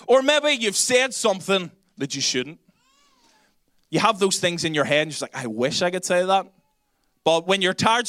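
A man's voice: sits high, fairly bright tone, no room sound, studio quality. A young man with a Belfast accent preaching a casual, chatty sermon, often putting questions to the congregation. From Northern Ireland. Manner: chatty, self-deprecating, asks the congregation questions.

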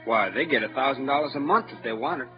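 A man's voice: mid-range voice, animated, fast talker, close to an everyday voice. An actor playing Huck, a clever boastful frontier boy with a rural Southern dialect, in an old-time radio drama. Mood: lecturing. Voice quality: bright, showy, know-it-all delivery. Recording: dull lo-fi old radio recording with music.

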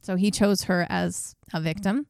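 Gravelly-voiced woman telling a true crime case. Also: lowish voice, steady tone, moderate pace, darkish tone, dry recording, studio quality. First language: English. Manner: blunt, swears, laughs at grim moments. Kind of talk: casual true crime storytelling.

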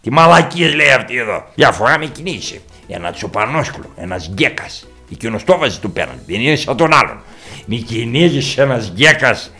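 Over soft background music, a man with a medium-pitched, sing-song, sharp voice performs a comic character reacting to videos. He plays a boastful, blunt country uncle who speaks with a rural Epirus Greek accent, curses freely, and tells tall tales in an improvised monologue.

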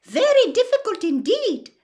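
A woman's voice: very high-pitched, huge pitch swings, moderate pace, darkish tone, voice pushed up, heavily acted. A woman voicing a small, eager male house elf who talks shrilly in broken grammar and keeps saying "sir".

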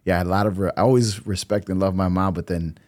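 A young man, born in Costa Rica and raised in Milwaukee, talking casually as an interview guest in his office, with a relaxed, rambling way of telling stories and many fillers. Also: low voice, fast, no room sound, studio quality. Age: young adult. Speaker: financial advisor, guest. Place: high-rise office.

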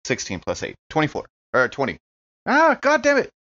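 Male tabletop player, casual chat, forceful bright voice with very animated intonation. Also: fairly high pitch, moderate pace, no echo, dull audio. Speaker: player in a tabletop roleplaying game.

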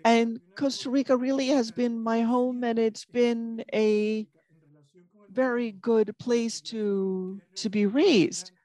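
A woman from Nicaragua giving measured, formal remarks as a panel speaker, occasionally halting and restarting. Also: fairly high pitch, fairly even intonation, dark tone, no echo. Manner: measured, slightly halting, policy-minded.

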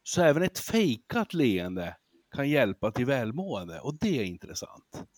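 Lively storytelling man, dry close sound. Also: medium pitch, no room sound. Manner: lively storyteller who acts out examples and laughs easily. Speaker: lecturer and podcast guest. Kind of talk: casual interview talk.

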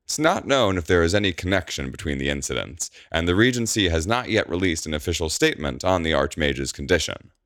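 A man playing a brisk, official-sounding newscaster delivering a clipped bulletin within an audiobook story. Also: low voice, animated, a bit bright, dry recording, studio quality. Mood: businesslike. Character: brisk television newscaster reporting on magical crime.

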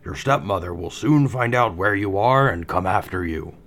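A band of kindly little storybook miners, lifting their voices a touch higher and speaking with gentle concern, as a male narrator puts them on. Their lines rise and fall with lively care. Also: normal speed. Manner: kindly, warning. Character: seven kindly male dwarves, protective miners.

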